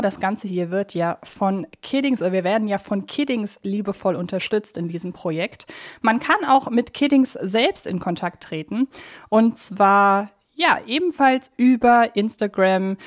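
A young adult woman with a German accent hosting a casual podcast, explaining things in wordy, self-correcting loops. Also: medium pitch. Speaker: podcast host.

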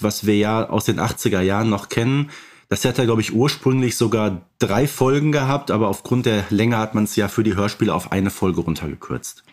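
A man's voice: lowish voice, a little mellow. A man co-hosting a casual podcast discussion, explaining things in a detail-minded way. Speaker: podcast co-host.

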